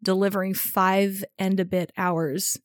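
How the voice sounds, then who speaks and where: A woman's voice: medium pitch, level tone, a little slow, no room sound, studio quality. A woman co-hosting a podcast, chatting casually and playfully with a friend in informal language. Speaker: podcast co-host. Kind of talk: casual chat between friends.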